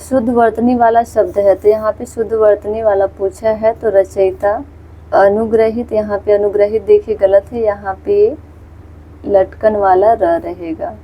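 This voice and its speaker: Patient Hindi tutor woman, soft husky tone. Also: mid-range voice, fairly even intonation, a little slow, low-quality recording. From India. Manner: explains patiently, repeats words, points at screen. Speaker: Hindi teacher. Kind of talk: exam-prep lesson walking through questions.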